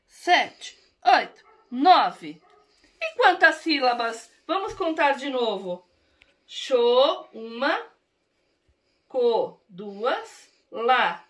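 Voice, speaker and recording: A Brazilian woman teaching young children to read, her voice pitched high and swinging widely as she coaxes them along. She stretches every word out slowly, splitting it into syllables and counting them. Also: fairly bright tone. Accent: Brazilian Portuguese. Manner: slow, drawn-out syllable-by-syllable reading, coaxing. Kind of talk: early literacy lesson for young children.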